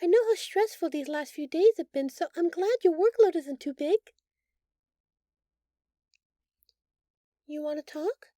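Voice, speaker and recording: A woman voicing a shapeshifted alien posing as a sweet, anxious human girlfriend in an intimate audio roleplay, speaking softly and haltingly. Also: very high voice, expressive, no echo, clean studio sound. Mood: sweet, caring. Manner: soft, halting, pleading, stammering. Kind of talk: audio roleplay acting, intimate address to listener.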